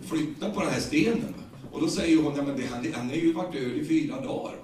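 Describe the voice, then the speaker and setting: A man with a Swedish accent preaching a sermon, retelling the story in lively everyday speech with many repeated words. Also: on the high side, a little hiss or hum. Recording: echoey, distant room sound.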